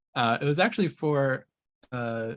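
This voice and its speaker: Against a silent background, this very clean recording holds a man's voice. His pitch is medium, with ordinary variation. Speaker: music producer. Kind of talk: casual chat. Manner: soft-spoken. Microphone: wrong microphone, too quiet.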